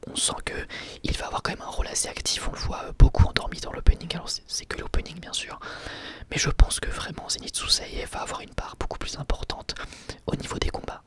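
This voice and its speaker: Male ASMR reviewer, hushed whispered delivery, hesitant, very lively inflection. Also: on the high side. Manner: soft whisper with frequent hesitations.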